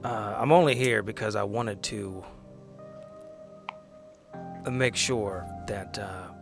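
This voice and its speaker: Low-voiced man playing a tabletop game. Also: takes it slowly, creaky. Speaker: player in a role-playing podcast. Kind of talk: casual table talk, hesitant in-character roleplay. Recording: background music behind the voice.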